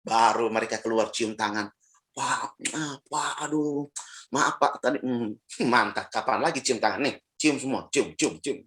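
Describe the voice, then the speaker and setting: A middle-aged pastor from Timor-Leste preaches a storytelling sermon. He acts out other people's voices as he goes, his pitch jumping high and dropping low, and he breaks into laughter often. His voice sits in a middle register. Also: fairly bright tone.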